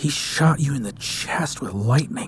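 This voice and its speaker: Over clear background noise, a man uses a put-on character voice, fairly high in pitch, at a moderate pace. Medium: actual play.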